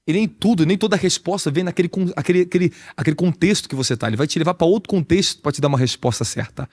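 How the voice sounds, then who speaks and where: A man preaching a sermon as an apostle, animated and conversational, with a Brazilian Portuguese accent and frequent rhetorical questions. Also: on the high side, very fast.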